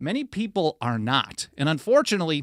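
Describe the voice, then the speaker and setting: On a very clean recording with a silent background and a dry, close sound with no echo, a man with a fairly high pitch and a Midwestern US accent speaks at a fairly quick pace with very wide pitch swings. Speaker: political podcast host. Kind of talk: solo podcast monologue.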